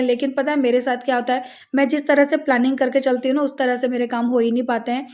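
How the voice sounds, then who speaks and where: A woman's voice: high-pitched, a little mellow. A young woman from India chatting casually to viewers about her household routine in a home vlog. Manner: chatty, addresses viewers directly. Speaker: family vlogger.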